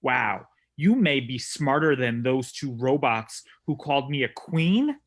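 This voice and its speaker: A man's voice: mid-range voice, animated, unhurried. A man playing a tough, cocky young wrestling prince, delivering a defiant theatrical promo. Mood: taunting. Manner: taunting, defiant.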